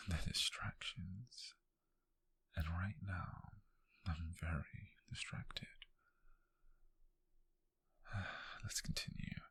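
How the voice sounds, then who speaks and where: Man acting a low, whispering British detective. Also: a bit bright, no room sound, full character voice. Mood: intrigued, distracted. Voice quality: breathy, husky whisper. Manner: slow, deliberate, brooding. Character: calm, menacing male detective, intrigued and possessive. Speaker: ASMR roleplay performer. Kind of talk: whispered ASMR roleplay.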